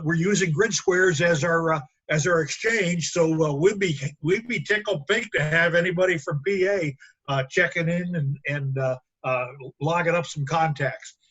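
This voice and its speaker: A man with a somewhat high-pitched, husky voice talks casually in a club meeting. His delivery is halting and rambling, and the audio is dull and lo-fi. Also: a bit bright. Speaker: radio club member.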